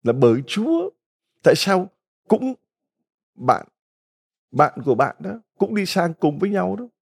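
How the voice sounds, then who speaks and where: A man's voice: high voice, very animated, a little slow, gravelly, darkish tone, husky. A middle-aged man, a Catholic priest, giving a folksy retreat homily full of stories and rhetorical questions to the congregation.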